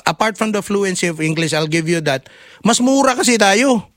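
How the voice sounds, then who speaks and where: Brief: Filipino-accented man, high-pitched, opinionated chat, dry close sound. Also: brisk, dry recording. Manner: animated, opinionated, quizzes his partner. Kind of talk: casual chat mixing English and Tagalog.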